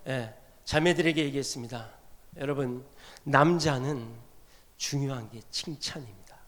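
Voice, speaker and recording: A high-voiced man delivers a revival sermon, bursting into loud, emphatic exclamations and then falling to soft, intimate near-whispers. He often speaks tenderly in the second person. His voice rings with the long reverb of a church sanctuary. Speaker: missionary preacher.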